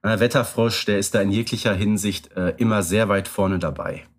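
A man co-hosting a podcast, talking in a relaxed way and thinking aloud with fillers. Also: fairly low pitch, moderate pace. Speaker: podcast co-host. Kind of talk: casual podcast discussion.

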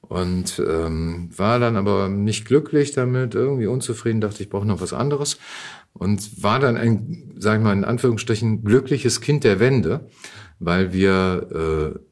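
A man in his fifties telling stories casually in an interview, thoughtful and halting as he searches for words. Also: on the low side, lively intonation. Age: 50s. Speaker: actor and podcast guest.

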